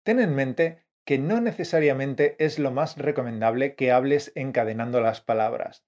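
A man co-hosts a scripted language lesson, giving brisk coaching to the listener. His voice sits at a middling pitch, and the audio is slightly dull. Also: a little mellow. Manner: brisk, coaching, calls listener "campeón" and "fiera". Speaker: podcast co-host, Spanish teacher. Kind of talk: scripted teaching podcast.

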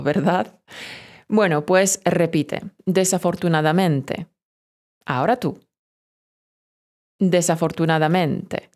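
A woman giving a scripted vocabulary lesson, drilling pronunciation slowly and encouraging the learner directly. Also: on the low side, darkish tone. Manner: slow, careful pronunciation drills. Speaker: Spanish teacher.

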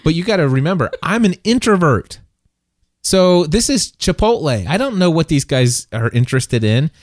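A man's voice: a little high, very animated, normal speed, dry recording, clean studio sound. An American man of forty-one chatting casually as a podcast co-host, with a bantering, self-deprecating manner. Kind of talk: casual chat.

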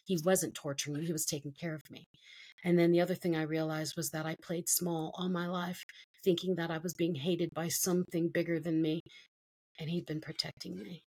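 A woman's voice: fairly low pitch, little pitch movement, a little fast, dark tone, husky. A middle-aged woman telling her personal story as a guest in an interview, emotional and vivid, acting out what others said. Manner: emotional, storytelling with quoted voices.

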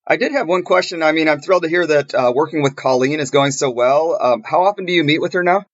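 A man's voice: on the high side, fast talker, dull audio. A man co-hosting a podcast, asking questions in a friendly, playful way. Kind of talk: casual podcast conversation.

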